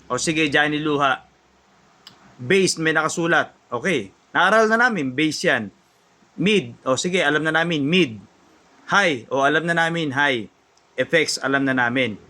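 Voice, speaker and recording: Male tutorial host, bright and slightly high voice, chatty, acts out his viewers' thoughts. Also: animated, measured pace. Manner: chatty, keeps asking "no?", acts out beginners' thoughts; jokes and laughs at himself. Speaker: audio mixer tutorial host. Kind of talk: casual spoken lesson.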